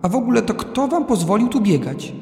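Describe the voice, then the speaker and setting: A man voicing a patient father who calmly lectures his sons about following rules in an audiobook. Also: very high voice, fairly quick, roomy sound, big-room sound, pitched above the performer's own voice, exaggerated voice. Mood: instructive. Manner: calm, instructive, mildly scolding. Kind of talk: audiobook character reading.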